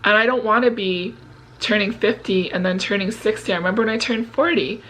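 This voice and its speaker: A woman's voice: mid-range voice, a little fast, a bit bright, rough recording. A woman of about fifty talking casually and earnestly to her viewers in a confessional way. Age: 49, turning fifty. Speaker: vlog host. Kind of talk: casual personal chat to viewers.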